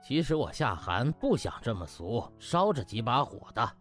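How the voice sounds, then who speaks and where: A man's voice: medium pitch, big pitch swings, moderate pace, fairly bright tone, faint music behind, pitched below the performer's own voice. A man acting a smug, pompous hospital boss. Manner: pompous official speechifying.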